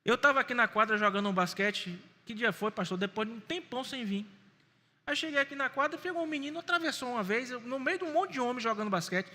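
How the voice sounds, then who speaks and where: A Brazilian Portuguese-accented man preaching as a pastor in a church, in an animated, folksy storytelling way. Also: very high voice, fast talker. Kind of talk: sermon. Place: church sanctuary. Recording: long church reverb.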